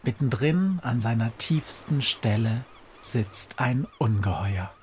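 A man's voice: medium pitch, expressive, a little mellow. Man narrating a story with background noise. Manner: measured, solemn, slows on dramatic lines.

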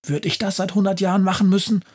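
A man voicing a scatterbrained, cheerful female Christmas witch in an audio storybook, talking in breathless, excitable bursts. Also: sits high, quick pace, slightly rough, pitched above the performer's own voice. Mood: excited. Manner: breathless, excitable, animated chatter. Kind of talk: storybook narration.

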